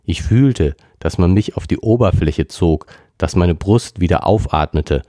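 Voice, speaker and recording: A man reading a classic novel aloud as a podcast narrator, in a steady storytelling manner. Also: low-pitched, unhurried, dry recording, studio quality. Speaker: podcast reader. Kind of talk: audiobook reading.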